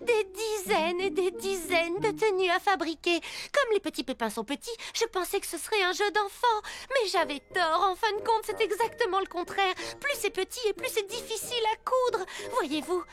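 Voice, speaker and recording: A woman's voice: very high-pitched, moderate pace, hardly any pauses. A woman voicing a fussy, dramatic young seamstress in a dubbed children's cartoon, sighing and wailing over her work. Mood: fretful. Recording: cartoon soundtrack with music behind.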